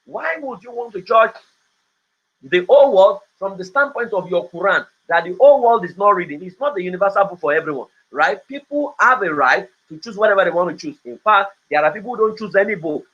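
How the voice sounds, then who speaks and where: A man's voice: sits high, animated, fairly quick, a bit bright, breathy edge. A man, host of a podcast, giving a motivational talk in a preachy way, often adding "right?". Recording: dull lo-fi recording.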